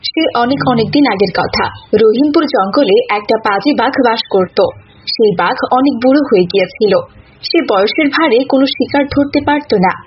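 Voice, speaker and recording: A woman's voice: on the high side, expressive, normal speed, dull audio, slight background noise. A woman narrating a scripted cartoon folk tale as a storyteller.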